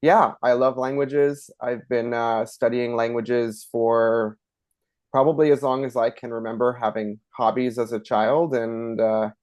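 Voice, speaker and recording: A man in his thirties from Canada, a schoolteacher talking as a podcast guest in a relaxed, chatty way with many ums. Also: medium pitch, a little slow. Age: 30s. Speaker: guest, elementary school teacher. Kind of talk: casual interview talk.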